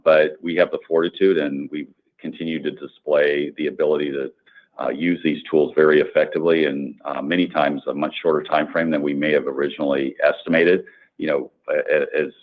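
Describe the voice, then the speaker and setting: A male company executive answering on an earnings call, speaking in halting corporate phrasing over a phone line. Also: very deep voice. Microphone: conference call line. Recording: tinny narrow phone line.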